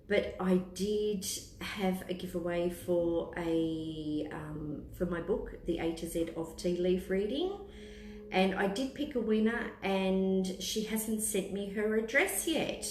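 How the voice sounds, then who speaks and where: A woman's voice: lowish voice, darkish tone. A woman in her fifties with an Australian accent, chatting casually to live viewers as a host and thinking aloud in a hesitant, rambling way. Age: 50s. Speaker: tea room host, psychic palm and tea leaf reader. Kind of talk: casual chat in a live stream, answering viewers. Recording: roomy echo with clear background noise.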